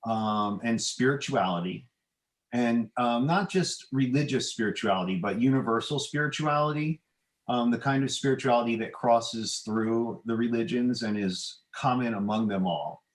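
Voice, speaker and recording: A middle-aged man, an author and podcast guest, answering in a hesitant, measured, modest way, with a roomy, echoing sound. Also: mid-range voice. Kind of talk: conversational interview answers.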